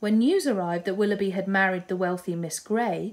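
Reading done in a natural reading voice

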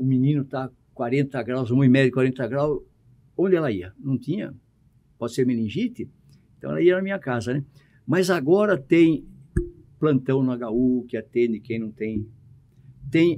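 A man with a dark, mellow tone and lively intonation speaks at a fairly slow pace, leaving long, frequent pauses. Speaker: pediatrician. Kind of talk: interview. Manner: halting. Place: studio. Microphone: studio mic.

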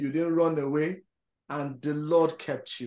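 A man's fairly high voice with ordinary pitch variation, audible room echo and a quiet background. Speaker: program moderator. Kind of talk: panel discussion. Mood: warm, earnest, smiling. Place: studio.

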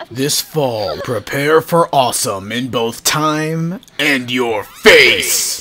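Low-to-middle pitch, a very slow pace and hardly any pauses. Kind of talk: movie trailer announcer.

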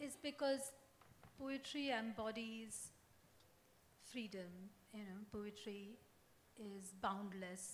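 With an Indian accent, a woman speaks very slowly in a fairly high, somewhat breathy voice, taking long, frequent pauses, her loudness swinging widely and her pitch varying in an ordinary way, over light background noise. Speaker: novelist and poet. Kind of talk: panel discussion with poetry readings. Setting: stage with audience. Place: stage. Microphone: handheld.

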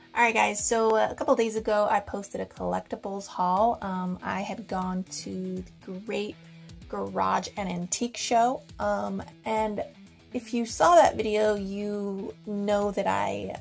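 A woman speaks at a fairly slow pace, with faint music in the background. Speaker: comic collector vlogger. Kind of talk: casual vlog chat. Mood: upbeat, enthusiastic. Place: home room.

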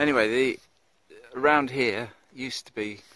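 In a dry recording with no echo, a man speaks in a bright, sharp tone with fairly even intonation. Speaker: walker vlogger. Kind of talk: casual vlog chat. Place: forest. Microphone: phone near.

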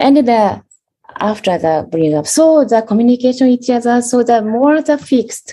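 Lively intonation and a dark, mellow tone in a Japanese accent. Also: woman. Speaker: spiritual practitioner sharing in a group session. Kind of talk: personal sharing in a group discussion. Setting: video call. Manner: halting. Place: home room. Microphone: video call.

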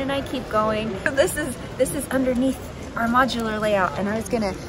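A woman talks at a fairly quick pace with ordinary pitch variation. The sound is dry with no echo, and noticeable background noise is present. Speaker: vlogger. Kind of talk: casual vlog chat. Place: hall. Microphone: phone near.

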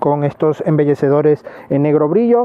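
A man at a fairly slow pace, the sound dry with no echo. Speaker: car reviewer. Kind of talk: car review walkaround commentary. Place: open country.

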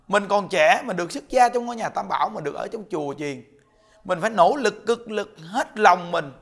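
Very wide pitch swings in a man's high voice. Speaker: Buddhist monk giving dharma talk. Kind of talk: sermon.

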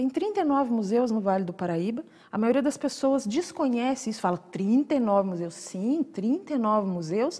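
A woman talks with very wide pitch swings. The background is quiet. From Brazil. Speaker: cultural heritage specialist; interview guest. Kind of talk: TV interview; interview answer. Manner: halting. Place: studio.

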